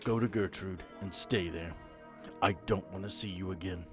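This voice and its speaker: A man playing a stern, angry agent commanding in a crisis, with a slow, clipped, authoritative delivery. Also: low-pitched, steady tone, over music, voice pushed down, lightly acted. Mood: bristling anger.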